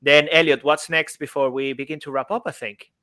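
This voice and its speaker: A man co-hosting a podcast, animated and quick to laugh, tripping over his words. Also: on the high side. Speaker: podcast co-host. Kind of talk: casual podcast chat.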